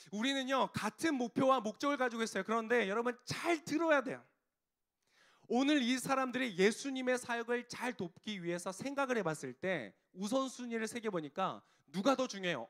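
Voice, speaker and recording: A man's voice: high voice, fairly bright tone. A male pastor preaching a sermon to a young congregation, often putting questions to them and answering them himself.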